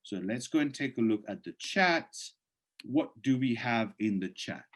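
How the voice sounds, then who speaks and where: Man hosting a video call, voice going hoarse. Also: medium pitch, lively intonation, normal speed. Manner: persuasive, urging, reads questions aloud and answers them. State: losing his voice. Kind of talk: live online presentation with questions from chat.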